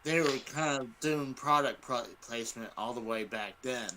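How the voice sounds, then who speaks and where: A man on a podcast panel chatting casually, with halting, informal phrasing. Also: medium pitch, sharp tone, poor audio. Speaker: podcast guest. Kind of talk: casual chat. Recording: clear background noise.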